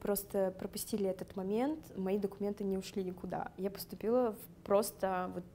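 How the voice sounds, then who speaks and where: In a dark studio, a young woman from Karachay-Cherkessia chats casually during a sit-down interview, her light Circassian accent coming through. Her mellow mid-range voice moves fairly quickly with fairly even intonation, full of laughter and fillers. The lapel mic recording carries a little hiss or hum.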